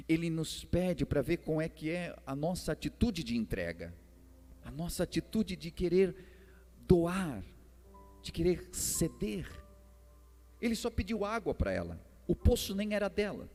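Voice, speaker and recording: A man's voice: a little high, a little mellow. A man with a Brazilian accent preaching a sermon in a conversational way, retelling a Bible story and repeating phrases for emphasis. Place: church hall during a service. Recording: echoey hall reverb with music behind.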